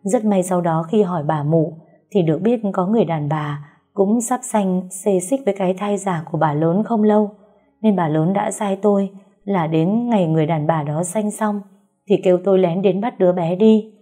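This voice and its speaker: A woman's voice: on the low side, normal speed, mellow, faint music behind, natural voice. A woman voicing a frightened female household servant who stammers as she confesses. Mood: fearful. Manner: trembling, stammering.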